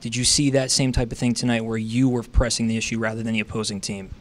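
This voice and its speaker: A young man, a sports reporter, asking smooth prepared postgame questions into a handheld mic. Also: mid-range voice, level tone, fast. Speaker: sideline reporter. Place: indoor interview backdrop.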